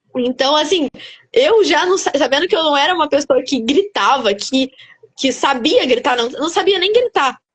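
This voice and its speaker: Lively intonation marks this woman's high voice. She talks at a moderate pace. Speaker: theatre student. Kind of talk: podcast interview. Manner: soft-spoken.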